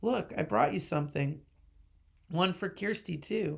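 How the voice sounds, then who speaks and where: The put-on character voice is raspy and warm, at middle pitch and a moderate pace. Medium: read story. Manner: warm, protective.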